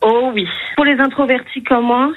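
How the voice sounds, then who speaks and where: A woman's voice: high-pitched, fairly even intonation, moderate pace, phone-quality sound. A woman calling a radio show, cheerful and chatty, talking about her outings. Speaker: caller. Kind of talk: phone call to a radio show.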